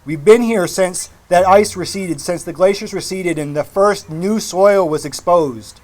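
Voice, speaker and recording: A man in his forties from Massachusetts gives an impassioned public speech at a rally, speaking emphatically with deliberate repetition. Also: high-pitched, a little mellow. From Mashpee, Massachusetts, United States. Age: 40s. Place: outdoor rally.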